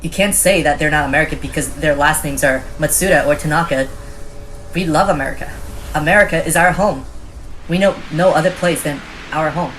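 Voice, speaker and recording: Woman playing earnest Japanese American man, low-pitched. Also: brisk, a bit bright, slight background noise, low-quality recording. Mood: indignant, heartfelt. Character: earnest, pleading Japanese American male contestant. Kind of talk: satirical readers theater performance.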